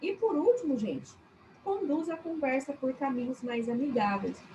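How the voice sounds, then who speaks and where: A woman's voice: high voice, lively intonation, moderate pace, mellow, slight background noise, rough recording. A woman teacher with a Brazilian Portuguese accent giving a chatty classroom lecture on customer service, often turning to the class and acting out short examples. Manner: chatty, addresses class as "gente", acts out examples.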